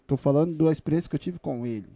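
A man's voice: on the high side, fast, mellow, dry recording. A man with a São Paulo Brazilian accent co-hosting a podcast in casual, slangy talk, repeating phrases for emphasis. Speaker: podcast co-host.

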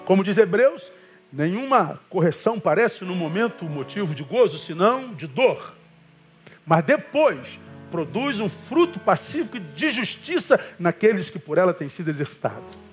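A man gives a sermon as a pastor in a fairly high voice. He tells stories casually and acts out the people in them, calling his listeners brother. Soft music plays faintly behind him. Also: normal speed. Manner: animated storytelling with quoted voices; colloquial, addresses listeners as brother.

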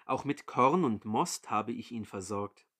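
A solemn old blind father speaks his blessing in a measured, unhurried way, read out by a man. The voice is of middle pitch and moves slowly. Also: lively intonation, a bit bright. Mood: grave.

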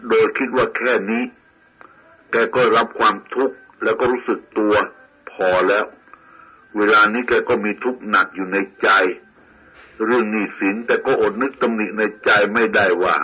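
A man reading a moral tale in first person, in a measured, moralizing storytelling manner. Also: lowish voice, steady tone, pushed and bright, breathy edge, low-quality recording. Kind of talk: scripted storybook narration.

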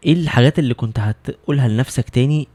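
A man's voice: medium pitch, racing, dark tone, no room sound. A man with an Egyptian Arabic accent, hosting a casual podcast interview, who agrees often and mixes in English words. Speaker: podcast host.

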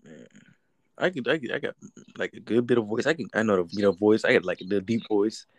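A man's voice: on the low side, lively intonation, fast talker, dry recording. A man with a South Carolina accent co-hosting a casual podcast in a laid-back, slangy way. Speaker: podcast co-host. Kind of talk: casual chat.

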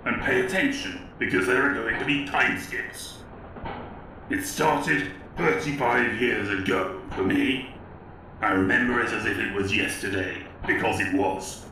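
Gravelly, echoing grumpy old man. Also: on the low side, measured pace, pushed and bright, heavily acted. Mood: sardonic. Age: older. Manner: impatient, sardonic storyteller. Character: grumpy dying elderly George Orwell, future Big Brother overlord. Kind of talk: comedy audio drama acting. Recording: very echoey, distant, faint noise.

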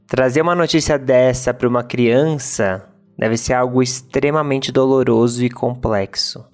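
A man narrating a documentary from a script in a measured, somber way. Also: medium pitch, a little mellow.

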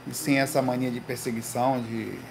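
A man hosting a casual livestream from his home, telling slangy, animated stories to his viewers. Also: medium pitch, fairly quick, vocal fry, noisy background. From Recife, Brazil. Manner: slangy, animated storytelling with lots of "velho" and "cara". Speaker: livestream host. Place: home room.

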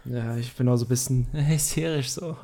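Young man, podcast co-host, relaxed rambling chat, filler-heavy. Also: mid-range voice, moderate pace, gravelly.

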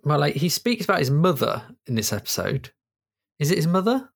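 Gravelly, husky-voiced man. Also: fairly high pitch, big pitch swings, brisk. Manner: dry, wry jokes. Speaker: podcast co-host. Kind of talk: casual chat, quiz questions.

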